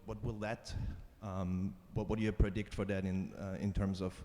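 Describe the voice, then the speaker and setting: Young man, from Austria, student questioner, hesitant, low voice, echoing hall. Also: little pitch movement, moderate pace, dark tone, slight background noise. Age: young adult. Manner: hesitant, searching for words. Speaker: audience member, master's student. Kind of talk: asking a question at a lecture. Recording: reverberant lecture hall.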